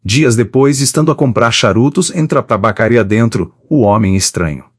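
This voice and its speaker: A man's voice: mid-range voice, moderate pace, no room sound. Man reading an audiobook, dry and close. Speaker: audiobook narrator. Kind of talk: audiobook reading of classic prose.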